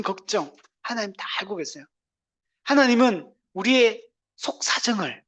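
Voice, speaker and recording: A pastor preaching a conversational sermon, often asking the congregation "right?" and laughing lightly, moving between loud emphatic lines and soft low asides.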